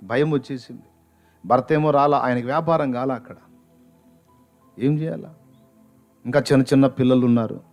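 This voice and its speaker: A male pastor tells a sermon story with dramatic swings of feeling. His voice sits at a medium pitch. Soft music plays faintly under his words. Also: fairly even intonation, moderate pace, pauses often, lo-fi sound.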